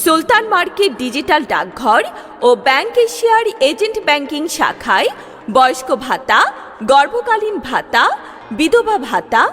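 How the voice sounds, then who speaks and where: A woman reading a street loudspeaker advertisement in a lively, declamatory announcing manner. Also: high voice. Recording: long reverb with music bed. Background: music.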